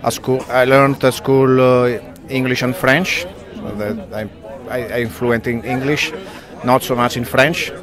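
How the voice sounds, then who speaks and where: A man with an Italian accent, an interview guest speaking outdoors in fast bursts with restarts. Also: mid-range voice, steady tone, a bit bright, some chatter behind. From Italy.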